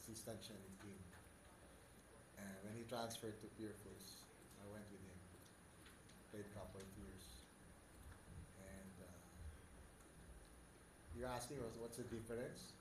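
An older Filipino basketball head coach answers questions at a postgame press conference, his low, steady male voice halting and full of fillers as he switches between English and Tagalog. He speaks into a table mic on a stand in a press room with a sponsor backdrop, and the recording is echoey with background noise.

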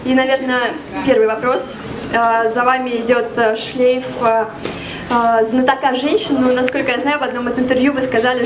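A woman moderating a public question-and-answer session at a book event with a handheld mic, pausing on fillers as she asks questions. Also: a little high. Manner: hesitant with many fillers. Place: large bookstore event hall. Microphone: handheld microphone. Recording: echoey hall, recorded from far off.

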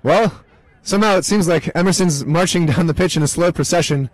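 A young man commentating a live match, mixing play-by-play with deadpan jokes. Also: on the high side, a little fast, no room sound, poor audio. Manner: deadpan joking asides. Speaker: sports commentator. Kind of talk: comedic live sports commentary.

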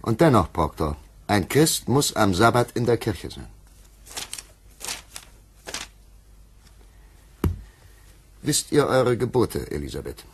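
An actor playing a stern, earnest Puritan clergyman in a German radio play, questioning in a formal, deliberate way. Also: fairly low pitch, sing-song, slight background noise. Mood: stern, probing.

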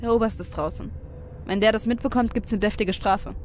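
A woman playing an anxious young soldier in an audio drama, with a hurried, worried manner. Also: mid-range voice, fairly even intonation, darkish tone, slight background noise, lightly acted. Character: Rotkopf, young soldier with an unusually high voice, anxious.

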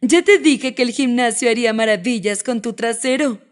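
A woman's voice: on the high side, moderate pace, lightly acted. A woman voicing a brash, teasing male pilot in an audiobook romance. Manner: cocky, teasing. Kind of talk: audiobook character voice.

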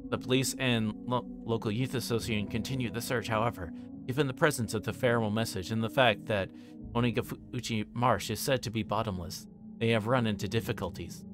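Low-pitched man streaming, music behind. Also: steady tone, a little fast. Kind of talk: livestream read-aloud and casual commentary on a visual novel.

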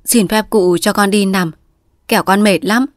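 A woman's voice: mid-range voice, fairly even intonation, normal speed, dry recording, studio quality, lightly acted. A woman voicing a male opium addict in painful withdrawal, whining and pleading, breaking into frantic cries. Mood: weary pleading.

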